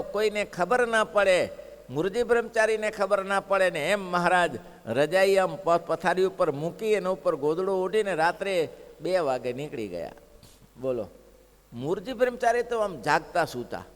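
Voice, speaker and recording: Emphatic preacher in a reverberant hall. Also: male voice, high-pitched, a bit bright. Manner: emphatic, repeats phrases, rhetorical questions. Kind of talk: sermon storytelling.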